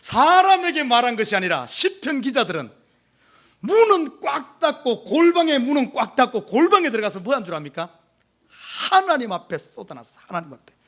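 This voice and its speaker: A male pastor preaching to his congregation, emphatic, with many rhetorical questions, swinging from urgent pleas to hushed asides. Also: extremely high pitch, big pitch swings, normal speed. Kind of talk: sermon. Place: church service.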